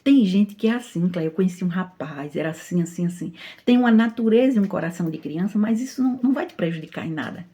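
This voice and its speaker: A middle-aged woman with a Brazilian Portuguese accent gives an informal devotional talk in a gentle, chatty way, often laughing as she speaks. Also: lowish voice, animated, fast. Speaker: Christian teacher.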